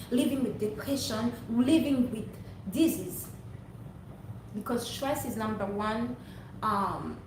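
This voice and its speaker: A young woman from Haiti speaks to her viewers in a rambling, earnest monologue with a preachy streak. Her voice sits a bit high. She is recorded from some distance in a very echoey room with faint background noise. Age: young adult. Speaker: vlogger.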